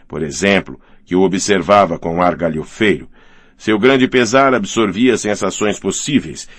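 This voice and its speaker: A man narrating a novel as an audiobook in a steady, measured reading. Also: low voice, no echo.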